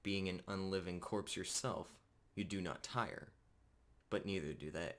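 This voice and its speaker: Man, very deep voice, game master, fantasy roleplay narration, measured descriptive delivery.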